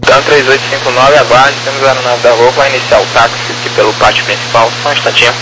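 A man's voice: mid-range voice, flat delivery, fast. Male Brazilian controller, mid-range voice. Procedural instructions over noisy, crackling military-style radio. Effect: radio transmission. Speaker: air traffic controller. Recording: noisy, humming aviation radio.

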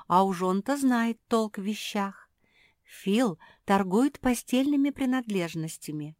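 A woman voicing a gentle, motherly black female pug who speaks in a tender, coaxing way. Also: mid-range voice, lively intonation, measured pace, no room sound, clean studio sound, voice pushed up, natural voice.

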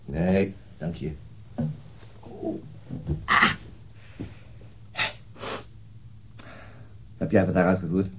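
An actor playing a tired, brooding police detective in a radio drama, understated and hesitant in manner. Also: male voice, low voice, steady tone, takes it slowly, pushed and bright, a little hiss or hum, full character voice. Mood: grumpy, tired. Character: tired, brooding male police detective leading a murder inquiry. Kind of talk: radio drama acting, naturalistic.

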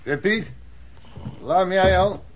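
An actor playing a rough, brusque lodging-house drifter in a radio play, talking in slang. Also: male voice, high voice, slow pace.

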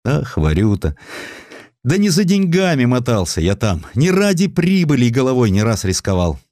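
Man acting an indignant, emotional naval adventurer, raised pitch. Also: very animated, normal speed, a little mellow, no echo, close to an everyday voice. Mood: weary protest. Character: proud, indignant Russian naval lieutenant and adventurer.

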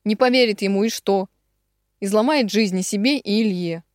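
A woman's voice: medium pitch, moderate pace, dry recording, clean studio sound, lightly acted. A woman doing a pressing, interrogating father. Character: older man, a questioning father and teacher.

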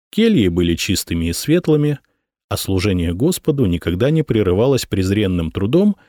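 Expressive male audiobook narrator. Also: fairly low pitch, no room sound, clean studio sound. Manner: expressive, rising on dramatic moments.

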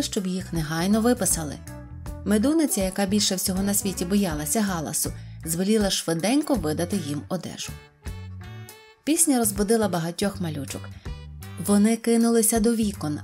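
A woman's voice: medium pitch, darkish tone. Woman reading a storybook aloud. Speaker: audiobook narrator. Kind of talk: storybook narration.

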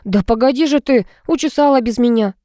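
A woman's voice: fairly high pitch, fairly quick, dark tone, no echo, pitched above the performer's own voice, lightly acted. Curious, eager young student girl, read by a woman, dry close read. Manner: eager, questioning.

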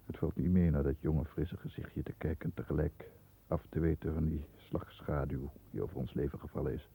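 A man acting a stern, proud middle-aged lawyer in a 1960s radio play, speaking with formal, measured diction. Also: rumbling low, fairly even intonation, vocal fry, warm tone, husky, full character voice. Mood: brooding, uneasy. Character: stern, proud male lawyer protecting the family name. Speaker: actor in a radio drama. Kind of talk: 1960s Dutch radio play acting, first-person narration and dialogue. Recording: muffled, thin 1960s radio recording.

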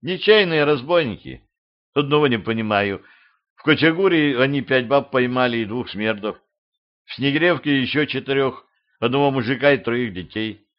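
A man voicing a gruff, commanding middle-aged boyar warrior in an audiobook, mocking and bold in manner. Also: medium pitch, normal speed, lightly acted. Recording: slightly dull lo-fi audio.

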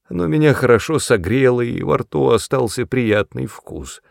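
A man voicing a timid old grandmother who speaks softly in a raised voice and giggles as she gets tipsy. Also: animated, moderate pace, gravelly, no echo, clean studio sound. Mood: timid, giggly. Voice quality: higher, soft, giggling.

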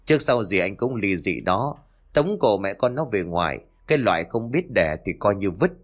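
A man voicing a harsh, domineering husband who barks rude demands in a fast, raised voice. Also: lowish voice, very animated. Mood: contemptuous.

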